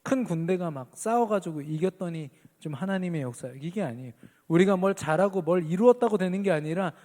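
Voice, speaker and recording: A man's voice: sits high, expressive, a little fast, a little mellow, in a large hall. A man preaching an earnest sermon as pastor at a midweek church service, lifting his voice on key phrases.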